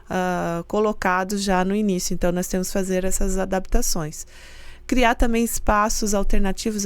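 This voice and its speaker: A middle-aged woman speaks in an earnest, explanatory way as a university rector being interviewed. Her voice sits at an ordinary pitch for a woman. The recording is close and dry, with no room echo. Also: clear, resonant tone. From Santa Catarina, Brazil. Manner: earnest and explanatory, with soft laughs. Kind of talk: casual interview talk.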